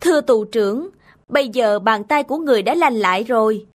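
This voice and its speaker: A woman voicing a loyal, calm young male tribal aide with a deferential, earnest manner in a cartoon folk tale. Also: a little high, a little fast. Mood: concerned. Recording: studio voice over background music.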